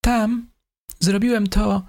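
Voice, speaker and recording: A timid, servile male killer voiced by a man reading an audiobook, his voice pitched well above the narrator's own and kept soft. He answers hesitantly and evasively, with a subdued, shamefaced manner. The recording is dry, with no room sound. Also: fairly even intonation, slow pace, dry recording. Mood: ashamed, hesitant. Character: meek, evasive male killer under questioning.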